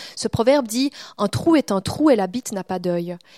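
A plain, everyday voice at a moderate pace, dry and close with no echo, on a very clean recording with a silent background. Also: woman. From Switzerland, Vaud (Gros-de-Vaud). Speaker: author and humanitarian worker. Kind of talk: public talk and interview.

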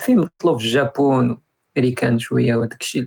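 Somewhat breathy, a man talks at a very fast pace. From Morocco, El Jadida. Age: 20s. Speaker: AI engineer. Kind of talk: interview.

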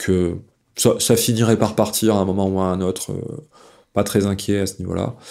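A man talks fairly slowly in a fairly low pitch with a dark, mellow tone. His intonation is monotone and flat, and the recording is very clean with a silent background. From France, Dauphiné countryside. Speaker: singer-songwriter. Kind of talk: interview.

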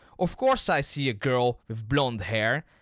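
A man at a medium pitch with a Dutch accent, in a very clean recording with a silent background. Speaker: podcaster. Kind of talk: casual monologue. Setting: home recording on camera. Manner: fast talker.

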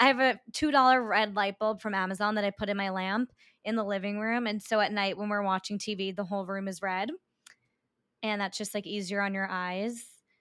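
A fairly quick pace, captured in a very clean recording against a silent background. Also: woman, medium pitch for a woman. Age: 20s. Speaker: content creator and podcaster. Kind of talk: casual chat. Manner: animated.

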